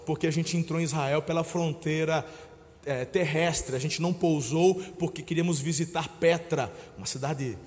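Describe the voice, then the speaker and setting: A Brazilian man preaching a sermon, telling stories and calling his listeners brother, swinging between hushed moments and loud shouts. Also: on the high side, moderate pace, in a large hall. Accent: Brazilian Portuguese. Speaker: pastor.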